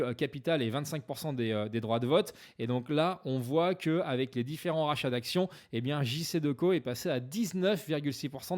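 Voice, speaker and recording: A man's voice: on the high side, darkish tone. A French-speaking man explaining stock investments to viewers in a conversational way, with frequent hesitations. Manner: conversational, many "euh" fillers; jokes about his own English accent. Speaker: finance YouTuber.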